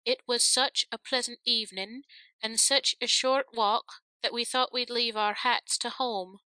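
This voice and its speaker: A woman's voice: a little high, fairly even intonation, unhurried, bright, forceful tone, no room sound, pitched above the performer's own voice. A woman voicing an anxious, mournful eldest girl of a poor family, plaintive and rustic, in a storybook reading. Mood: anxious reciting.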